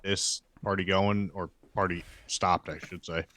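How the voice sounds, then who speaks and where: A man's voice: low voice, little pitch movement, measured pace, fairly bright tone, dry recording. A man playing a tabletop game, casually improvising and describing what his character does.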